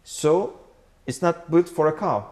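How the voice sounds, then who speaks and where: A man's voice: a little high, lively intonation, unhurried, darkish tone. A man whose first language is Turkish, speaking English in a casual talk with short interjections and repeated words. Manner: brief interjections, repeated words, some dry humor. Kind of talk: casual explanatory dialogue.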